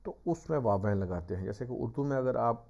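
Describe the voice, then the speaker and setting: A man's voice: medium pitch, animated, creaky, darkish tone. A male teacher giving a classroom lecture, patiently explaining step by step with examples. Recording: dull lo-fi recording.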